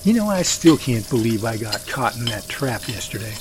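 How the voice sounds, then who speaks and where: A man's voice: mid-range voice, sing-song, moderate pace, background noise, natural voice. A man playing an easygoing field researcher who coaxes playfully, in an amateur audio drama. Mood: sheepish.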